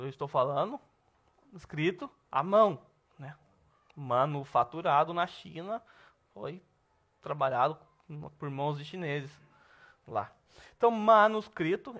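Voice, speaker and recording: A Brazilian man teaching a Bible class at church, lively and asking the class questions. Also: a little high. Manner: lively, asks the class questions, says "tá bom?" often.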